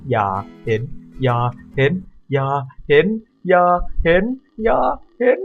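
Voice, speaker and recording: A man giving let's-play commentary on a horror game. He talks to the zombies and swings from calm asides to startled yelps. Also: on the high side, a little slow, narrow, tinny audio, soft background music. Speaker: gameplay commentator.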